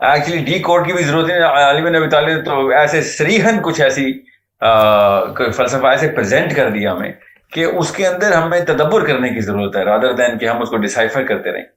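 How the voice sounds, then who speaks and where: A man's voice: medium pitch, animated, a bit bright, echoey room. A man speaking earnestly in a lecturing manner, mixing in English words, as a guest on a talk show. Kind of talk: Islamic talk show discussion.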